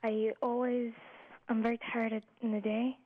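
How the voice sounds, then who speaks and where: A woman's voice: fairly high pitch, level tone, moderate pace. A thirteen-year-old girl calling in to a show, casually asking for advice over the phone. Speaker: caller. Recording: dull lo-fi phone call.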